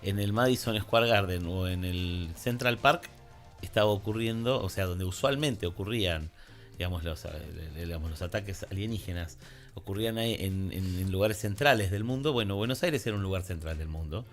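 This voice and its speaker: A man's voice: low voice, fairly quick, soft background music. An Argentine man hosting a radio talk, commenting in a reflective, discursive way and checking for agreement with short tag questions. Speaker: radio show host.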